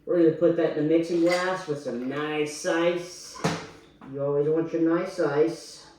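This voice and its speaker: In a very echoey room, a drunk man talks slowly through a casual tutorial. His delivery is slangy, crude and boisterous. There is faint noise behind him as he hosts. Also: a little high, steady tone. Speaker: YouTube host.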